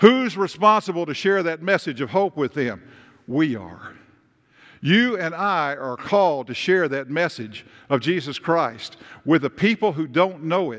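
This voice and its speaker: Against a quiet background, a man with a Tennessee accent speaks at a fairly high pitch. His intonation is lively, with big swings in loudness. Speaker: interim pastor. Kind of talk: sermon. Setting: church.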